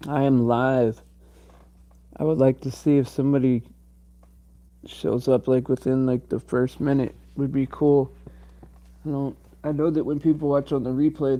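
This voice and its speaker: A man hosting a livestream in casual chat, his voice strained and cracking, rambling and halting with many fillers. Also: mid-range voice, dull audio. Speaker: livestream host.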